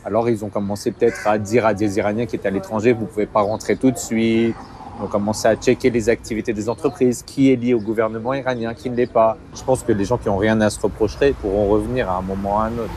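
Interviewee, male, rapid casual talk, low voice, light street ambience. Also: little pitch movement, mellow, slight background noise. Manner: quick, chatty explaining.

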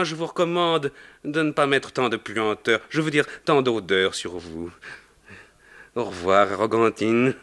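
A man voicing an elderly, kindly but fussy pope who chatters and teases a visitor in a storybook reading. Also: a bit bright. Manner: chatty, theatrical, swooping pitch. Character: old pope, benevolent, fussy and teasing.

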